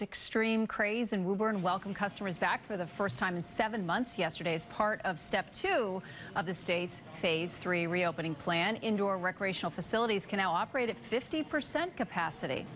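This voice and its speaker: A woman's voice: mid-range voice, a little fast, a bit bright, a little hiss or hum. A woman with an American accent reading scripted television news as a morning anchor.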